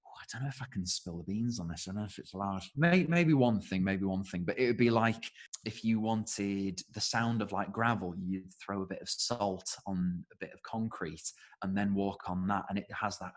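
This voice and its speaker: A man's voice: lowish voice, moderate pace. A British man chatting casually as an interview guest, speaking as a voice actor would about his work.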